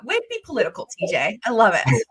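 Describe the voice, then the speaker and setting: A woman's voice: mid-range voice, huge pitch swings, quick pace, a bit bright, breathy edge. A woman, apparently in her thirties, hosting a casual conversational interview in an affirming, enthusiastic, informal way. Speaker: podcast host.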